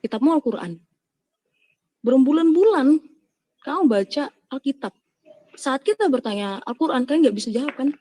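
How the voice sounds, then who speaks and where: A woman's voice: high voice, animated, normal speed, pauses often, warm tone. A woman, a Christian apologist preaching to her audience in an emphatic, scolding way full of rhetorical questions. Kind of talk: impassioned preaching in a live discussion.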